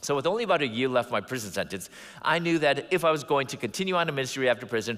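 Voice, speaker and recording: Talking very fast, a man with an American accent uses lively intonation. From US Midwest (Chicago suburbs). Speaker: preacher and author. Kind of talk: sermon. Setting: church.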